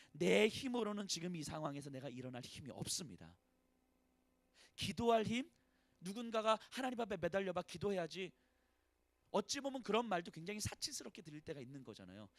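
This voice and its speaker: A male pastor preaching at a church service, swinging between loud pleading and hushed, sorrowful lament, often speaking prayers of complaint in the first person. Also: fairly high pitch, dry recording. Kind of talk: sermon.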